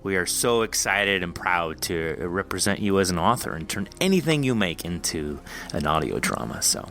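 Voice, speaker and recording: A man's voice: sits low, very animated, normal speed, sharp tone. A man hosting a conversational author interview on a podcast, speaking in an effusive, encouraging way. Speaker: podcast host.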